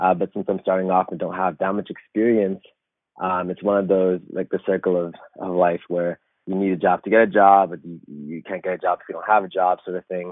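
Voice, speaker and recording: A man with a very deep, low pitch speaks at a fairly quick pace. His intonation stays monotone and flat. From US Mid-Atlantic (DC, Maryland, Virginia area). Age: 20s. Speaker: aspiring actor. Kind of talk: recorded voicemail question. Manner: halting, many fillers.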